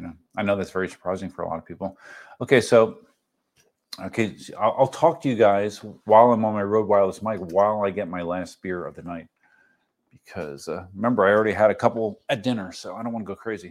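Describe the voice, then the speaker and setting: In a very clean recording with a silent background, a man with a fairly low pitch speaks at a very fast pace, showing ordinary pitch variation and big swings in loudness. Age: 50s. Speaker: electric unicycle vlogger and livestream host. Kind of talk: casual livestream chat reading viewer comments. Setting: home livestream with wireless mic. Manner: halting, many repetitions and fillers.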